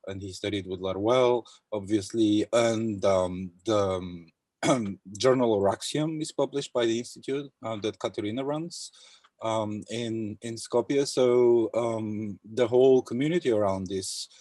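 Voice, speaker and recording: A young man from Bulgaria speaking thoughtfully in an academic round-table discussion on a video call, pausing often with fillers. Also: lowish voice, darkish tone, no echo. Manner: thoughtful, hesitant with many fillers. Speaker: panel speaker.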